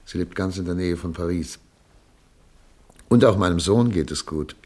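A man acting in a German radio play as a weary, dignified émigré doctor, grave, deliberate and melancholy. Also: low voice, darkish tone. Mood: wistful.

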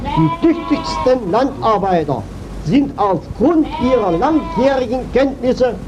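A man's voice: very high-pitched, sing-song, takes it slowly. A man giving a stiff prepared statement as village mayor on a muffled 1940s recording with sheep behind. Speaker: village mayor being interviewed. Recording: muffled, noisy 1940s archive field recording. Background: bleating sheep.

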